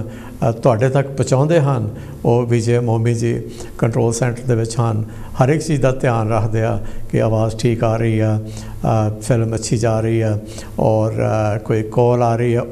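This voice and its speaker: A man hosting a phone-in memories show in a TV studio, chatting in an unhurried, reminiscing way with frequent hesitations. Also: mid-range voice, dark tone. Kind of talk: casual broadcast chat.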